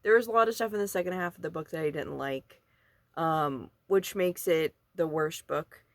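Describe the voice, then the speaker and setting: A woman's voice: deep voice, normal speed, no echo. Casual, rambling young woman, dry sound. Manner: informal, rambling, blunt with casual swearing. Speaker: book reviewer video creator. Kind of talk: casual book commentary to camera.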